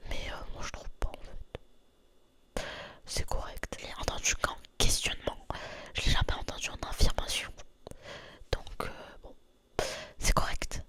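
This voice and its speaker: A young woman from France, whispering softly in an ASMR video and repeating words over and over in a dimly lit room. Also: normal speed, long pauses. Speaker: ASMR creator.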